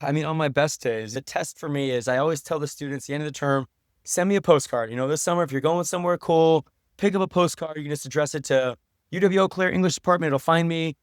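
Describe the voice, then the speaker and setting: A man's voice: on the high side, quick pace, clean tone, no room sound, clean studio sound. A middle-aged American man chatting casually as a podcast guest, telling stories in colloquial, everyday language. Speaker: podcast guest, writer and professor.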